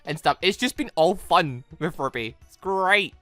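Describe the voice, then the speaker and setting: Animated woman doing casual let's-play commentary. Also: lowish voice, unhurried, no room sound, faint music behind. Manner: chatty, giggly, rambling asides. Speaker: gaming video host. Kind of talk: casual let's-play commentary, reading visual novel dialogue aloud.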